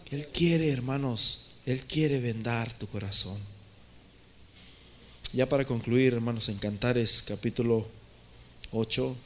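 A man preaching as pastor in a church in the United States speaks slowly, with long pauses, in a mid-range, fairly bright voice. He calls his listeners brothers and swings his tone up and down to emphasize his message.

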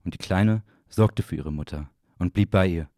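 A man reciting a literary audio play monologue in a brooding, deliberate, dramatic way. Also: low-pitched, mellow, no echo, clean studio sound.

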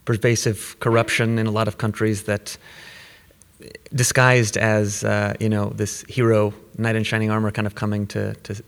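A man's voice: on the low side, flat delivery, normal speed, gravelly. A man interviewing an author at a live event, hesitant with many fillers. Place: event hall before a live audience. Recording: live hall reverb.

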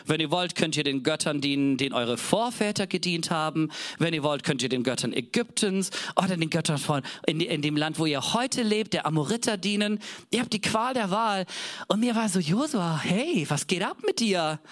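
A man's voice: fairly high pitch, brisk, fairly bright tone. A man preaching a sermon to his congregation, speaking with passion and emphasis and often asking them rhetorical questions.

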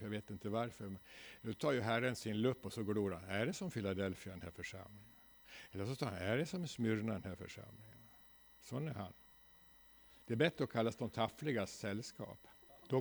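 In a church hall, a Swedish man with a low-ish, creaky voice delivers a seminar sermon. His style is folksy and ironic, and he often ends sentences with a questioning "va?".

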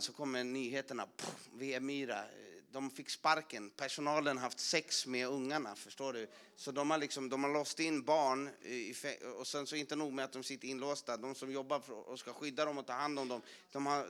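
A man's voice: medium pitch, bright, forceful tone. A man preaching a passionate testimony, talking with many restarts and fillers. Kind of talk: emphatic sermon testimony.

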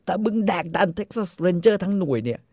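Man doing a scornful, braggy lawman for a storytelling podcast, pitched up, lively delivery. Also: moderate pace, no room sound, studio quality. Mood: indignant. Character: boastful arrogant male Texas ranger.

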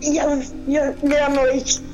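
A woman from southern Brazil calling in by phone, talking in a devout, fervent and slightly halting way. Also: high voice, little pitch movement, a little mellow. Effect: heard over the phone. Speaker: caller. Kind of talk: phone-in prayer call. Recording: muffled phone line with faint music.

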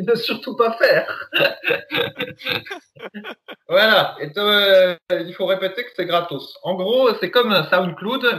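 Podcast co-host, male, jokey storyteller, bright and slightly high voice. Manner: joking, laughs often, storytelling. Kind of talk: casual podcast chat.

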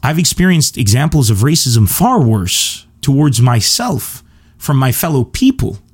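A man's voice: medium pitch, very animated, a little slow, breathy edge. A man from Lebanon hosting a solo podcast, a stand-up comedian who talks in an earnest, emphatic, self-assured way. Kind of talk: solo podcast monologue answering listener questions.

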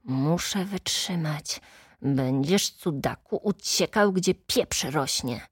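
A woman's voice: mid-range voice, big pitch swings, measured pace, no echo. Stubborn storybook schoolgirl, teasing and proud; woman putting her on, dry booth sound. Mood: gritted-teeth.

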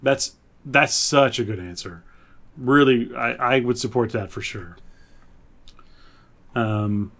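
A man's voice: medium pitch, slow, creaky, pauses often, pushed and bright. A man co-hosting a casual pop-culture podcast, talking like an enthusiastic fan and thinking aloud as he goes. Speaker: podcast co-host.

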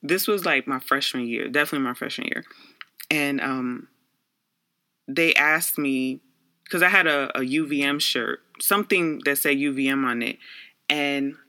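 Man from the Bronx, Garifuna first language, bright forceful tone, earnest, reflective, personal talk. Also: mid-range voice. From Bronx, New York, USA. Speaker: social worker.

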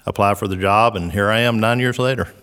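Middle-aged Southern man, low-pitched, easygoing, filler-heavy, heard with long reverb. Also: steady tone, a bit bright, clean tone. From South Georgia, US. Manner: unhurried, lots of "uh" and "um" fillers. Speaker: resort recreation director. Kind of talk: relaxed interview answers.

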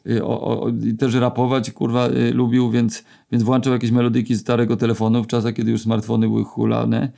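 A man's voice: mid-range voice, completely flat delivery, a little fast, creaky, hardly any pauses, mellow. A man telling casual real-life anecdotes as a storyteller, rambling, swearing constantly and full of fillers and restarts.

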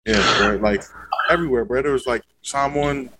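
A man's voice: mid-range voice, normal speed, very noisy. A man, co-hosting a podcast in a casual, laid-back way that is heavy on "bro" and "like.". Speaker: podcast co-host. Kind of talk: casual chat.

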